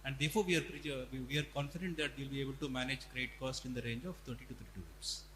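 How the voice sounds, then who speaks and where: A man's voice: mid-range voice, very fast. A man with an Indian accent, a company executive on an earnings call, explaining things step by step with emphatic repetition. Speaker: company executive answering analysts. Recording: echoey reverberant hall, faint noise and hum.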